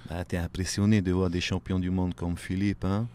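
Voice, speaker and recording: A man, talking casually as a guest on a radio show, filling pauses with "ben", "hein" and "voilà". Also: low-pitched, flat delivery, mellow, slight background noise. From Tahiti. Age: late 30s. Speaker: guest, outrigger canoe paddler. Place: radio studio.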